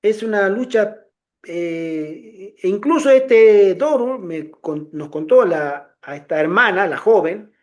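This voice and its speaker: A middle-aged man giving an informal testimony to a congregation, telling a story in an animated way and acting out the voices of the people he quotes. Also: high-pitched, takes it slowly. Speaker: lay ministry speaker.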